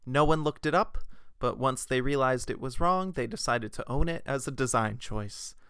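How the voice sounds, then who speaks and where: Guy reading an essay out loud, steady and measured, clean voice, dead dry room. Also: mid-range voice, smooth, no room sound. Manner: measured, reads quotations aloud with "quote" and "end quote". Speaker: narrator. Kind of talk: scripted essay narration.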